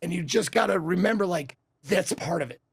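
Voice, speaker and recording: Raspy hoarse man, lively and high. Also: a little fast, no room sound, studio quality. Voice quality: raspy, strained voice. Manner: animated, advice-giving, jokey and profane. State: hoarse, having a bad voice day. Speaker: podcast co-host. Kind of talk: casual gaming podcast chat.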